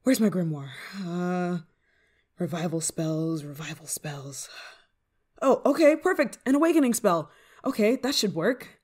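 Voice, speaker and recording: A woman plays a flustered, affectionate novice witch in an ASMR roleplay monologue addressed to the listener, hesitant and fretful, stammering and sighing. She sounds worried and flustered. Her fairly high voice is a little mellow, with big pitch swings at a moderate pace.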